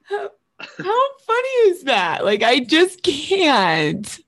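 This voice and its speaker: A woman hosting a podcast, animated and quick to laugh, chatting casually and swearing now and then. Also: high voice. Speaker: podcast host. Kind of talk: casual interview chat.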